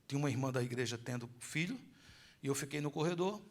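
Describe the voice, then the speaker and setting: A man's voice: medium pitch, lively intonation, quick pace. A middle-aged man, preaching a sermon as pastor, quizzing his congregation with rhetorical questions and telling stories.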